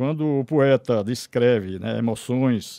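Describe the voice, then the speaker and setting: A man of medium pitch speaks with a dark, mellow tone and ordinary pitch variation on a very clean recording with a silent background. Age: old. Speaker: retired professor, radio interviewer. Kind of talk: interview.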